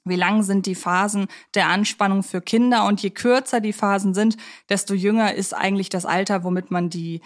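A woman's voice: mid-range voice, fairly even intonation, brisk, hardly any pauses. A woman co-hosting a podcast in a studio, discussing films casually in an enthusiastic, reflective way.

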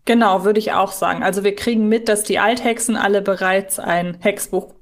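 A woman's voice: mid-range voice, fairly even intonation, a little fast. A woman co-hosting a fan podcast, explaining details analytically in a conversational way. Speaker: podcast co-host.

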